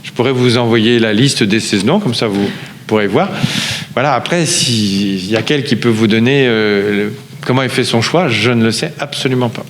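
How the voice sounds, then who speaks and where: A man's voice: mid-range voice, normal speed. A man chairs a council meeting, explaining formally with hesitant, repeated phrasing. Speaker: local official chairing a town council meeting. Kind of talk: formal council presentation, semi-improvised. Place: large echoing meeting room. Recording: reverberant hall, background noise.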